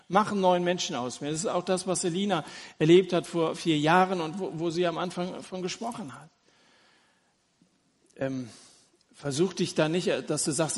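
A man preaching an earnest, inviting sermon and speaking directly to his listeners. His voice sits fairly high and sounds a little husky. A long reverb from the church hall trails behind his words. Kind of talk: evangelistic sermon.

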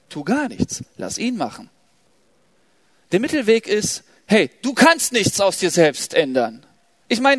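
A man preaching to young people, emphatic and urgent, then dropping to a soft, quiet prayer. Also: high voice, dry recording. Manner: emphatic, swings from loud exhortation to soft prayer. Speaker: youth preacher. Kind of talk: sermon.

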